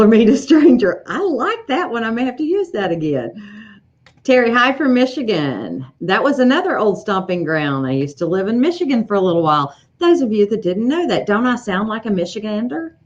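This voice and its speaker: A woman's voice: on the high side, big pitch swings, normal speed. A middle-aged woman from East Tennessee with a Southern accent, hosting a casual live stream from her home sewing room, chatting and greeting viewers with lots of fillers and restarts. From East Tennessee, USA. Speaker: livestream host, embroidery educator. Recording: slightly dull lo-fi livestream audio.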